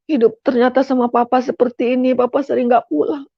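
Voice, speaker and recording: Gravelly-voiced middle-aged woman giving testimony. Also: high-pitched, flat delivery, fairly quick, no echo. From West Sumatra, Indonesia. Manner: emotional storytelling, often addressing listeners as "Saudara". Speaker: testimony speaker. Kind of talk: personal faith testimony. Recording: dull, dry lo-fi sound.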